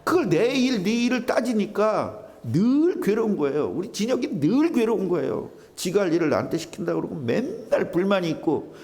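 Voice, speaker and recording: A male pastor delivers a conversational sermon, sliding often into playful imitations of other people. His voice is fairly high for a man and swings widely in pitch. The sanctuary adds a long, trailing reverb. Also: normal speed, few pauses. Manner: animated, conversational preaching with mimicked voices. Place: church sanctuary. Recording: reverberant church hall.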